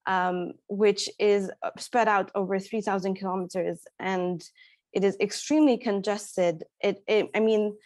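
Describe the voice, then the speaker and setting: A woman's voice: mid-range voice, steady tone, unhurried, darkish tone, no room sound, clean studio sound. A woman from Egypt giving a conference presentation, speaking hesitantly with many fillers and restarts. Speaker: speaker presenting at an academic talk.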